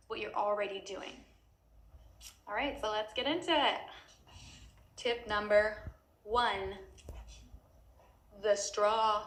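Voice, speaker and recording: A woman's voice: medium pitch, fairly bright tone, slight background noise. Chatty woman in an echoey room. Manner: chatty, frequent fillers. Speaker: music teacher and singer. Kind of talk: casual advice to camera.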